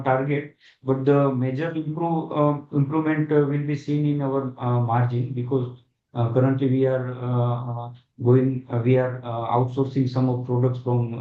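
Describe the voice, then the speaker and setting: Halting Indian man, echoey dull call audio. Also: medium pitch. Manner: halting, hesitant, with very frequent long filled pauses. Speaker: company executive on an earnings call. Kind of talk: answering analyst questions on a conference call. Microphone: conference call.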